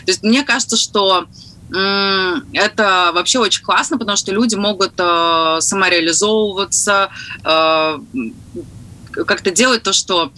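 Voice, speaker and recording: A woman's voice: medium pitch, unhurried, pushed and bright, poor audio. A woman giving explanatory interview answers, hesitant and broken into short phrases. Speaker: TikTok house representative, guest.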